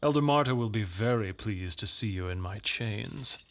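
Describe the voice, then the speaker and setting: An actor playing a bullying, vindictive village guard captain in an audio drama, husky, slow and taunting. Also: male voice, fairly low pitch, lively intonation. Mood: smug taunting.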